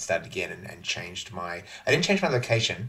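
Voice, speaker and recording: A man talks at a fairly quick pace in an Australian accent. Noticeable background noise runs underneath. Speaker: TV comedy writer. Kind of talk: casual chat. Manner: halting.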